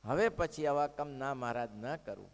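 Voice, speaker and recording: A man voicing a repentant woman who confesses humbly, in a soft, subdued tone while telling a sermon story. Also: mid-range voice, expressive, normal speed, pitched below the performer's own voice, natural voice. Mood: humble pleading. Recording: long hall reverb.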